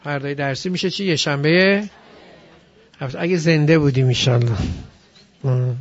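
A man's voice: fairly high pitch, dull audio. A man teaching a class, explaining grammar and drilling examples aloud. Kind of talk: classroom lecture.

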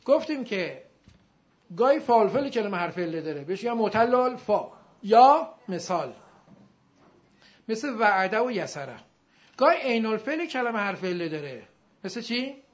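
A male teacher giving a classroom grammar lesson, drilling his students and drawing out example words slowly. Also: high voice, very animated. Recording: dull lo-fi recording.

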